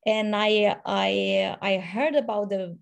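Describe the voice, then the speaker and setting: A woman's voice: mid-range voice, steady tone, slow pace, vocal fry. A woman from Romania, a native Romanian speaker, telling her story as a guest on a video call from home, chatty and repeating words as she goes. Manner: chatty, repeats words, acts out quoted talk. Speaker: interview guest. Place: room at home, indoors.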